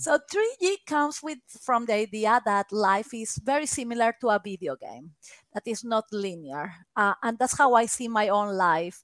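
With a Peruvian accent, a woman speaks at a fairly high pitch. Her intonation is lively, and her loudness swings a lot. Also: moderate pace, dry, close sound with no echo. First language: Spanish. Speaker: physician and author. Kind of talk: interview. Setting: video call.

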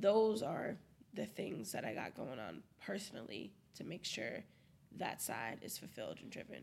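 A fairly low-pitched woman's voice in an American accent, with vocal fry, very wide pitch swings and a moderate pace. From Brockton, Massachusetts. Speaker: photographer. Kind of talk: casual interview.

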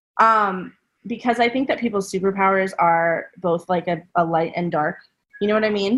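Speaking at a moderate pace, a woman uses an ordinary speaking voice with medium pitch and ordinary pitch variation. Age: 30s. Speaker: dog training facility owner. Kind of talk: casual interview chat.

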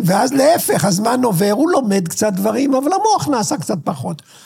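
This is a man talking. He goes at a moderate pace. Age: 80s+. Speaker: military historian and author. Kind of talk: interview.

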